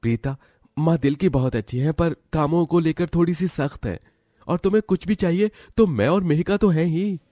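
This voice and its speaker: Guy doing a gentle young indian husband in a cartoon, slightly high voice, dry sound. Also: normal speed, no echo, lightly acted. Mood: reassuring. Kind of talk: Hindi animated family drama voice acting.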